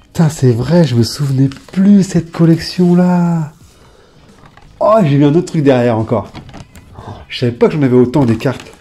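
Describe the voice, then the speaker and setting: Dark-voiced casual man chatting to viewers. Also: a little high, moderate pace. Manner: chatty, talks straight to viewers, sudden excited exclamations; hesitant, many fillers while reading names. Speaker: YouTuber showing his old trading cards. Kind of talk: casual off-the-cuff commentary.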